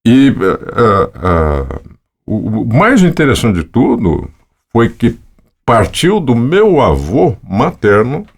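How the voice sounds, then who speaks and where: A man's voice: medium pitch, huge pitch swings, slow pace. A Brazilian man in his seventies, a voice-over artist, telling long casual stories in an interview. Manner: rambling, anecdotal, with frequent fillers.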